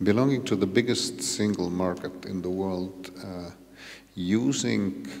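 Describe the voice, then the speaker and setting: A man with a very deep, low pitch speaks at a very slow pace, with ordinary pitch variation. Room echo is audible. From Estonia. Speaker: ambassador. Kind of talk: lecture. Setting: university hall with audience. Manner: halting.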